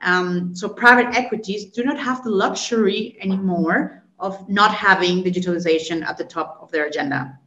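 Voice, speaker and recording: A woman's voice: medium pitch, moderate pace, pushed and bright, roomy sound, muffled recording. A woman in her thirties from Colombia, a consulting executive answering podcast interview questions fluently, often checking in with "right?". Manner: fluent, explanatory, frequent "right?" and "um" fillers.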